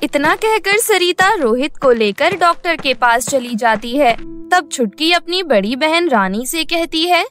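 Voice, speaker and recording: A woman narrating a cartoon bedtime story in an even storytelling manner. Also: high voice, a little slow, soft background music.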